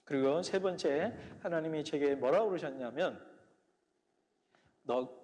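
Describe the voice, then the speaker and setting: A man preaching in a church, his slightly high voice carried by a long hall reverb. He tells his own story earnestly and often sinks into soft, hushed phrases. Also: very animated, moderate pace. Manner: earnest testimony, drops to soft quiet phrases. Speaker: pastor. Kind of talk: sermon. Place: church sanctuary.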